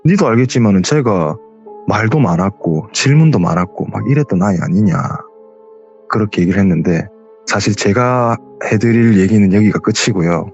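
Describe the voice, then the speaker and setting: A man's voice: lowish voice, animated, normal speed, a little mellow, dull audio, soft background music. A young man with a heavy regional dialect tells a true ghost story as a guest, acting out the quoted voices.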